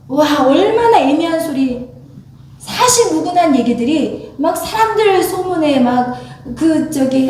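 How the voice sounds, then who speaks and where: A woman pastor with a high, mellow voice preaches in a loose, storytelling way and often quotes her own words. She sounds distant from the mic, and her voice rings through a very echoey church hall. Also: slight background noise. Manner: conversational storytelling, quoting herself and her family. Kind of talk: sermon. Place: church sanctuary.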